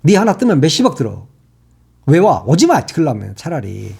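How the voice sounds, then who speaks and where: A man's voice: a little high, wildly swooping pitch, moderate pace, gravelly, a little mellow, breathy edge. An older man, a former broadcast reporter, giving angry political commentary on his channel, cursing and firing rhetorical questions.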